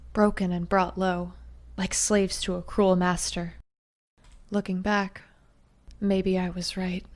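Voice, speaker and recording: A woman narrating a first-person fantasy story in a steady, even storytelling manner. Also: mid-range voice.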